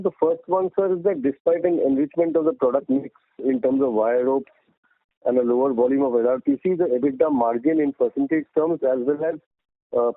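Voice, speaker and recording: A man's voice: medium pitch, dry recording. A man asking formal, polite questions as an analyst on an earnings call. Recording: dry, narrow phone line.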